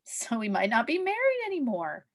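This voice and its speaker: An actress playing a curious, romantic-minded best friend in a romantic comedy table read. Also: female voice, fairly high pitch, huge pitch swings, moderate pace, a little hiss or hum. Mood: intrigued, dreamy.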